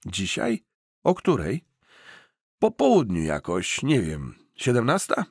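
A man's voice: fairly low pitch, wildly swooping pitch, slow pace, slightly rough, no echo, studio quality, exaggerated voice. A man voicing a reserved young slacker in an audiobook, casual and noncommittal.

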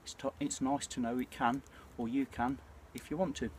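A British man in his forties chatting casually and reflectively to camera, with a hesitant, throat-clearing delivery. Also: medium pitch, level tone, normal speed. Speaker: bushcraft vlogger. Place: outdoors at night by a small campfire. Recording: clear ambient noise of an outdoor campfire.

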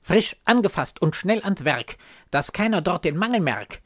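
A man reciting a ballad while voicing an old female nurse who wheedles and urges, with his voice pushed high. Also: takes it slowly, dry recording, clean studio sound. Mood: urgent. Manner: wheedling, urgent.

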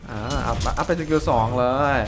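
A young man giving casual, excitable gameplay commentary and teasing his co-player. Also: mid-range voice, brisk. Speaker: game commentator. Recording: faint background noise.

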